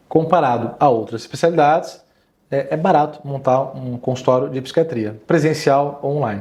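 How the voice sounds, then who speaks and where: A somewhat breathy man with a fairly high pitch talks at a moderate pace with lively intonation. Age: 40s. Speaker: psychiatrist. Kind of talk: career talk to camera. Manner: conversational with hesitations.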